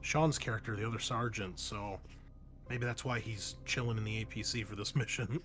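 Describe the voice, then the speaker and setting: A man's voice: lowish voice, normal speed, a bit bright. A man running a tabletop roleplaying game as game master, explaining things patiently and a little hesitantly in casual talk. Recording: music under the voice. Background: background music.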